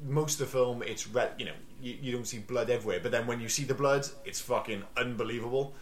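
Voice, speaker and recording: A man's voice: medium pitch, quick pace. Swearing, jokey man chatting. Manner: animated, swears freely, jokey. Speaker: podcast co-host. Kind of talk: casual chat. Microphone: earphones, remote call.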